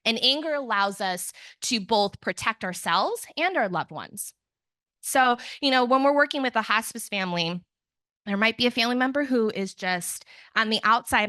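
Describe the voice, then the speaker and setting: A woman's voice: mid-range voice, expressive, moderate pace, bright, forceful tone, dry recording, clean studio sound. A young adult woman, a counselor, giving a conversational conference talk on grief, acting out quotes and adding self-deprecating asides.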